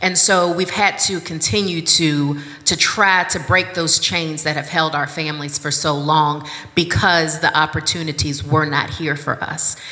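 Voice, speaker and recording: A woman with an American accent, very deep and low in pitch, at a fairly slow pace with fairly even intonation. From US South, Virginia (Prince Edward County); Virginia. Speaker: panel moderator. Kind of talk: panel discussion. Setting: stage with audience. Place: hall. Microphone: handheld.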